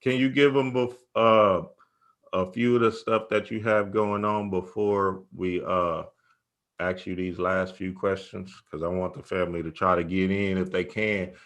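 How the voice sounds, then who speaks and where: A man's voice: low-pitched, steady tone, a little slow, fairly bright tone. A man hosting a casual spiritual interview, speaking in an informal, slangy way. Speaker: interviewer and show host.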